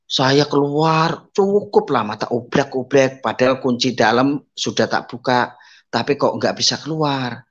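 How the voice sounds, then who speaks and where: A blind man gives an emotional personal testimony, addressing listeners as brothers and sisters, dropping to soft asides and raising his pitch to act out the people he quotes. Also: a little slow. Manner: acts out quoted voices with raised pitch. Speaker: testimony speaker. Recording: slightly dull lo-fi audio.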